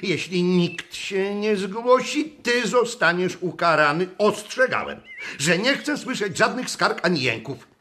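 An actor playing a pompous, strict and pedantic schoolteacher in a radio drama, lecturing callously. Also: male voice, high voice, animated, unhurried, pushed and bright, a little hiss or hum, exaggerated voice. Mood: stern, indignant.

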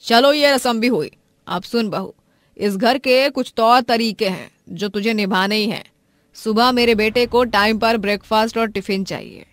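A woman voicing a stern, sharp-tongued middle-aged mother-in-law in an animated family drama, with an Indian accent and a commanding, scolding manner. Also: a little high, moderate pace, dry recording, studio quality, close to an everyday voice. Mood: bossy.

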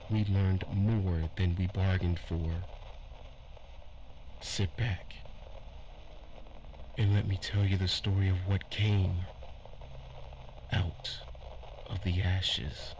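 Man acting a deep-voiced, solemn apocalypse survivor. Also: little pitch movement, takes it slowly, long pauses. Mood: grave. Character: weary male survivor of an apocalypse, earnest, solemn. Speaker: audio drama actor. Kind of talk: post-apocalyptic audio drama monologue, recorded-log style. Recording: noisy ambience behind the voice.

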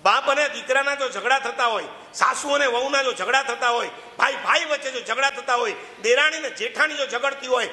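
Bright, high-voiced man preaching. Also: a little fast, hardly any pauses. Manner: animated, addresses listeners directly. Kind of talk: sermon storytelling. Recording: echoey hall, faint ambience.

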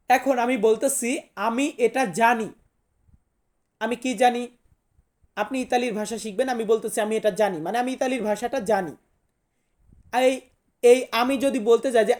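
A woman's voice: a little high, a little mellow. A woman teaching a vocabulary lesson, repeating each word and its meaning and spelling some out. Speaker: language teacher.

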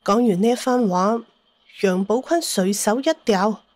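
A woman's voice: medium pitch, unhurried, a little mellow, dry recording. A woman narrating a scripted dramatic story as an audiobook narrator.

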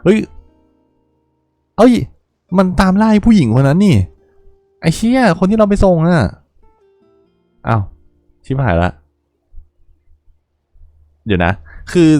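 Young man, gaming commentary, crude, swearing, jokey, very lively pitch. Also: a little slow, pauses often, no room sound, studio quality, faint music behind. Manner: crude, joking, swears a lot, laughs often. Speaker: gaming channel host. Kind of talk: casual gameplay commentary.

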